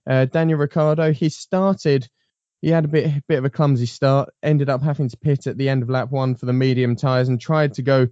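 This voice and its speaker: A man's voice: mid-range voice, flat delivery, brisk, dark tone, no room sound, muffled recording. A man hosting a casual motorsport panel chat, rambling with frequent ums and restarts. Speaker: podcast host.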